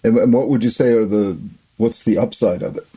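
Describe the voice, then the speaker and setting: Older male podcast host, dark mellow voice with a husky edge, enthusiastic interviewer. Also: on the low side, brisk. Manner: enthusiastic, effusive introductions.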